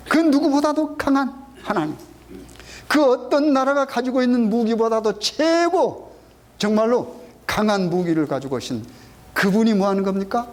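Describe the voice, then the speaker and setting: High-voiced pastor preaching with questions. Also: male voice, darkish tone. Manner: call-and-response questioning, emphatic. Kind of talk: sermon. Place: church sanctuary.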